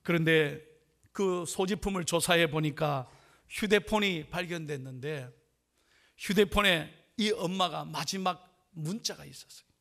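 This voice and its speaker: A male pastor delivering a dramatic sermon, swinging from loud declarations to hushed whispers and leading the congregation in repeating lines. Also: fairly high pitch, measured pace, creaky. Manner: leads the congregation in call-and-response.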